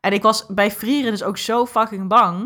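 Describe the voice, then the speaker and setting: A woman co-hosting a casual podcast chat, lively and opinionated, speeding up when she makes a point. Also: medium pitch, normal speed. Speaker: podcast co-host.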